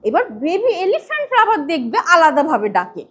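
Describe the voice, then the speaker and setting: A high-voiced woman teaching a demo class for small children. Her voice swoops up and down in a singsong, coaxing way. She spells English words out letter by letter. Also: huge pitch swings, quick pace, a bit bright. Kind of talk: demo lesson to young children.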